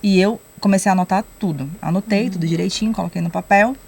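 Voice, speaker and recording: Young woman on a podcast telling her story, mid-pitch, acts out everybody's lines. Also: fast talker, creaky, breathy edge. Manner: lively storyteller acting out quoted dialogue. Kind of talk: casual testimony storytelling.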